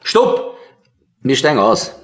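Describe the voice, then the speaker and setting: Sarcastic austrian cop, short dry lines, mid voice, crime audio drama. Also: male voice, medium pitch, very animated, takes it slowly, fairly bright tone. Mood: dry, sceptical. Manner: dry, terse, colloquial. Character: laconic, sardonic male police detective.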